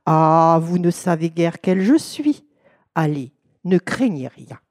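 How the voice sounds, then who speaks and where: A woman's voice: lowish voice, sing-song, slow, a little mellow, no echo, studio quality, exaggerated voice. A woman voicing a neighbor woman in a fable who indignantly promises to keep a secret.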